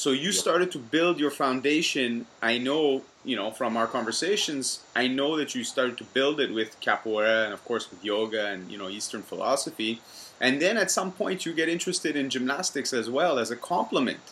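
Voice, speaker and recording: A man with a French accent talks at a fairly quick pace and medium pitch. His tone is bright and sharp, with lively intonation. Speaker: podcast host, movement coach. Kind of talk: casual interview. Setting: video call.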